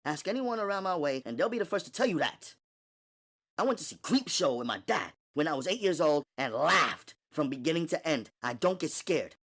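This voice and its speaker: A man voicing a tough, streetwise young woman who speaks fast and emphatically, her pitch climbing as she talks. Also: very animated, fairly bright tone, exaggerated voice. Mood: rattled. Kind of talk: audiobook character voice.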